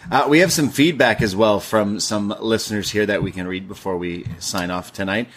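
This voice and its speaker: A man's voice: fairly low pitch, normal speed, fairly bright tone. Laid-back man co-hosting a podcast. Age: 30s. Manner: laid-back, reads messages aloud, laughs easily. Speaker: podcast co-host. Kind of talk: casual podcast chat, reading listener mail.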